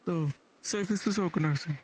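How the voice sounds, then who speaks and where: Man playing a high-voiced courteous adventurer. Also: fairly quick, a little mellow, lightly acted. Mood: cheerful, helpful. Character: courteous, helpful armored adventurer. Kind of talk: improvised fantasy roleplay in character.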